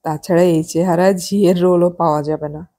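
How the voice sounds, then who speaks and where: A woman voicing a middle-aged wife who teases and scolds her husband with a sharp tongue. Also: fairly low pitch, fairly even intonation, fairly quick. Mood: teasing.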